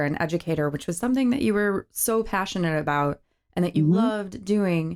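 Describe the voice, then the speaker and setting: On a very clean recording with a silent background, a woman with a normal speaking voice talks at a medium pitch with lively intonation. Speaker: podcast host. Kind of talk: podcast interview questions.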